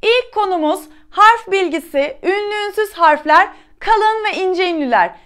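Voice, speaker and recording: A woman teacher from Turkey giving a lesson to young schoolchildren, slowly and clearly sounding out letters one by one. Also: very high voice, expressive, fairly bright tone. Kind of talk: children's lesson.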